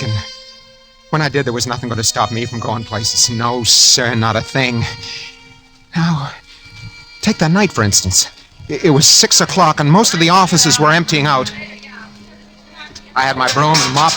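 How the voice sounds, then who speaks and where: An actor playing a scheming small-time office porter in an old radio drama, raving when drugged and sly when narrating. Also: male voice, medium pitch, bright, forceful tone, close to an everyday voice. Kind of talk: 1940s radio acting.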